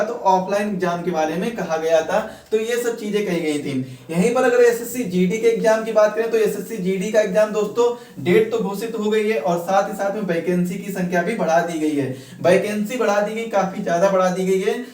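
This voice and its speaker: A man's voice: high-pitched, darkish tone. A man giving an informal explanatory update as an exam coach, repeating himself and answering his own questions. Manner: repetitive, asks questions and answers them himself. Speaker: exam-preparation coach and video host. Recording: echoey room, distant from mic.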